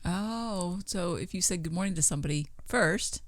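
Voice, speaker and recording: A woman's voice: fairly low pitch, normal speed, dry recording, clean studio sound. A woman co-hosting a podcast in casual chat, reacting in a giggly, self-deprecating way. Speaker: podcast co-host.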